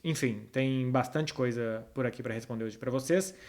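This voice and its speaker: A man's voice: mid-range voice, moderate pace, a little mellow. Casual Brazilian man chatting to his followers. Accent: Brazilian Portuguese. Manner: informal, colloquial, addresses the audience directly. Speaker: host answering viewers' football questions. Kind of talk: casual chat to followers, football analysis.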